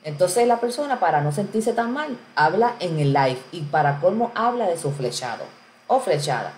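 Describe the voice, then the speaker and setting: A woman's voice: lowish voice, sing-song, moderate pace, darkish tone. A woman hosting a live stream in casual chat, greeting viewers by name and answering their comments. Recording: roomy echo with faint background noise.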